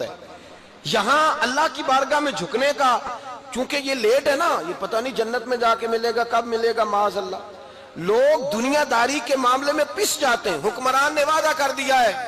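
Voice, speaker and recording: A man uses a raised, projected voice at an extremely high pitch, with ordinary pitch variation. Noticeable background noise runs under him. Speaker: Islamic preacher. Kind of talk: Islamic sermon (bayan). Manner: emotional, passionate.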